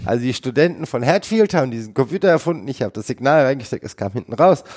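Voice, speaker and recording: Speaking at a fairly quick pace, a man with a medium pitch uses lively intonation and vocal fry, recorded very cleanly with a silent background and a dry, close sound with no echo. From Munich, Germany. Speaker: film editor. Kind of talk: interview.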